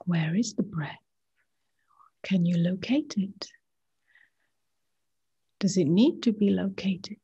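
A woman meditation teacher guiding a practice in a soft, hushed voice that often nears a whisper, with short unhurried phrases. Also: medium pitch, husky, muffled recording. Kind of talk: guided meditation, slow and gentle with long pauses.

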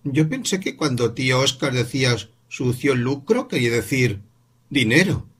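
A man's voice: expressive, moderate pace, a bit bright, slightly rough. A man doing a curious little boy. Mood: insistent. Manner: eager questioning, rising pitch. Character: curious insistent young boy. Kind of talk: audiobook character reading.

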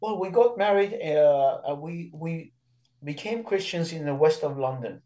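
A man in his sixties, born in Iran and speaking Persian and Armenian as first languages, talking earnestly and haltingly, often restarting, as an interview guest. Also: a little high, animated, dark tone. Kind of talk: casual interview.

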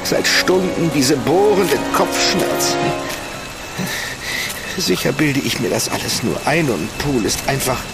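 A man's voice: mid-range voice, animated, a little slow, vocal fry, loud music behind the voice, low-quality recording. An actor playing a feverish, haunted nobleman who is losing his mind, in a radio drama. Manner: haunted, feverish, erupting into screams. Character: aristocrat Sir Trellos sliding into madness. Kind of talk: German radio drama acting.

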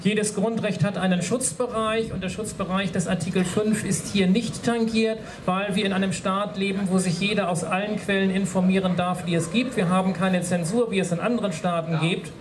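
At a street rally, a man on an outdoor stage explains points of law to the crowd, speaking formally like a lawyer yet with hesitant fillers. His voice is high-pitched and fairly even, at normal speed with hardly any pauses. He holds a handheld mic fed through a PA, and the crowd can be heard around him outdoors.

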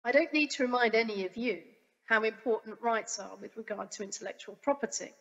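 Croaky woman from the UK, formal guest speaker, dull lo-fi reverberant video sound. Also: a little high, a bit bright. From United Kingdom. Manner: formal and measured. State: croaky, getting over a cold. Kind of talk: pre-recorded conference presentation. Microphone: webcam video recording.

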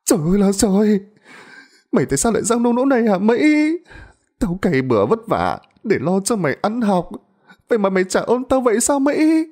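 A man's voice: high voice, very animated, fairly quick, a little mellow, pitched above the performer's own voice. A man doing a wailing peasant mother. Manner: wailing, pleading. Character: distraught middle-aged peasant mother, wailing.

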